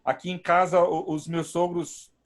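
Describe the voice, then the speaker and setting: A man's voice: high voice, flat delivery, unhurried. A man, a pastor hosting an online service from home, speaking emphatically and praising God. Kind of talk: warm preaching talk.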